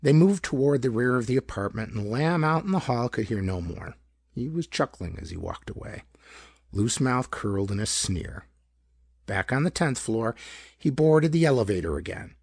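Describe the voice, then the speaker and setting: A male narrator reads hardboiled pulp detective fiction. His voice is husky and moves widely in pitch, recorded very dry and close. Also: lively intonation, normal speed, a little mellow, no room sound. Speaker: audiobook narrator.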